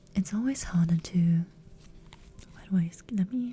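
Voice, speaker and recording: The speaker is soft-spoken, with a calm tone and a moderate pace. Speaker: VTuber streamer. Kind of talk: casual ASMR stream chat. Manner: soft-spoken, calm.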